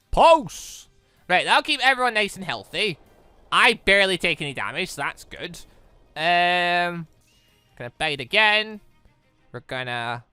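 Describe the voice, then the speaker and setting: A gamer giving casual let's play commentary, muttering moves and thinking out loud. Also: medium pitch, clean tone, no echo. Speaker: gaming video host.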